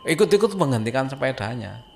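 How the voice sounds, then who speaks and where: Telling a ghost story in casual spoken style, an Indonesian man from a Javanese-speaking village talks fast in a gravelly, darkish voice of medium pitch with big swings in pitch. His East Javanese accent carries a suspenseful, conversational tone, and he repeats phrases for emphasis.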